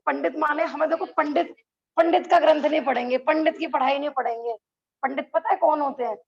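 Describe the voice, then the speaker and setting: A woman's voice: sits high, fairly quick, creaky, muffled recording. A woman teaching a religious class who keeps asking the listeners rhetorical questions and laughs between points. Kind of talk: lecture to a class.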